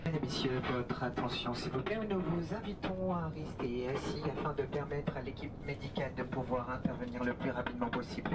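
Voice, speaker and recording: A male cabin crew member giving a polite, measured announcement to passengers over the cabin PA system. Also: mid-range voice. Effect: heard over the cabin PA system. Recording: distant voice under loud engine noise.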